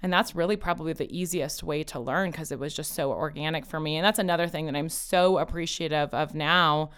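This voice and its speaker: A woman's voice: low voice, steady tone, fairly quick, a bit bright, smooth. A woman whose first language is Farsi, a family lawyer talking casually as an interview guest, laughing easily and quoting her parents. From Colorado, USA.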